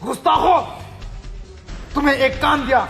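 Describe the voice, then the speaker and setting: A man playing a pompous, quick-tempered Mughal emperor in a crude comedy sketch, declaiming and shouting orders. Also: very high voice, vocal fry, soft background music, full character voice. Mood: commanding.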